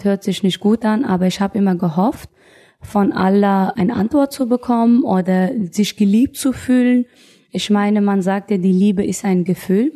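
A woman in her thirties from Afghanistan, thoughtfully telling her own story as an interview guest, often pausing and restarting. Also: medium pitch, mellow. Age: 30s. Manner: thoughtful, searching for words, frequent restarts. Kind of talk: personal testimony in conversation.

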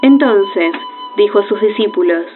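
A woman playing a rural radio announcer, reading notices and scripture in a formal, measured way. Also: medium pitch, lively intonation, lightly acted. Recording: tinny radio broadcast, music behind.

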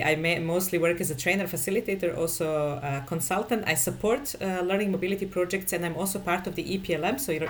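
Reflective woman with a lowish voice. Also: a little hiss or hum. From Serbia. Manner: reflective, talkative. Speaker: trainer and guest. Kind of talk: podcast conversation.

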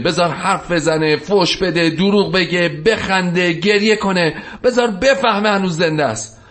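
Man doing a fed-up friend, sharp and cutting, bit high voice. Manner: cutting, exasperated. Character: weary male companion, blunt, fed up. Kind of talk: drama acting.

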